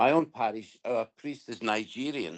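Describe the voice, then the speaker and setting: A man with a Scottish accent at a fairly slow pace, ordinary pitch variation, and a quiet background. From Scotland, Glasgow. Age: 60s. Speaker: interview guest. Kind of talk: interview.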